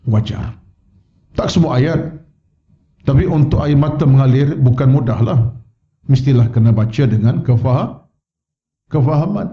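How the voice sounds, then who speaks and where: A man with a Malaysian Malay accent, giving a mosque lecture as a religious teacher. He tells stories and acts out the quoted voices. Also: dull audio. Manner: storytelling, acts out quoted voices with rising pitch. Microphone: wireless microphone.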